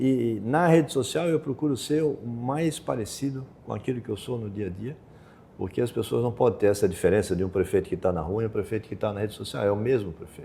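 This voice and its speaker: Fairly quick and lively in intonation, the voice has a dark, mellow tone that is somewhat breathy. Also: man, medium pitch for a man. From Florianópolis, Santa Catarina, southern Brazil. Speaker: mayor and businessman. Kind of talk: interview. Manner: natural, conversational.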